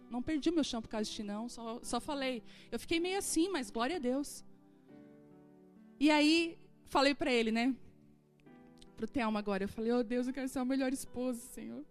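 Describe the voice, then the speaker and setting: A woman in her forties, a pastor, preaching a sermon in a church and acting out dialogue as she tells stories. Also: on the high side. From southern Brazil. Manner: animated storytelling, acting out dialogue. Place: church hall.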